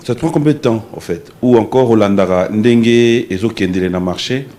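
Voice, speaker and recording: A man's voice: lowish voice, brisk, dark tone. A male interviewer asking curious, prompting questions.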